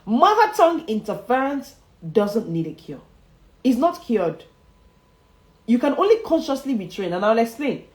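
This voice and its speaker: A woman's voice: fairly high pitch, big pitch swings, moderate pace. Emphatic woman coaching in a roomy echo. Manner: emphatic, repeats key phrases, chuckles often. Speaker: public speaking coach. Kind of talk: motivational livestream teaching.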